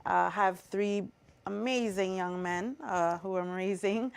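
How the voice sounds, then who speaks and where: Woman, middle-aged, from Trinidad and Tobago, interview guest, reflective, a little gravelly. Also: mid-range voice, slow pace. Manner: earnest, reflective, many fillers. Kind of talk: interview conversation.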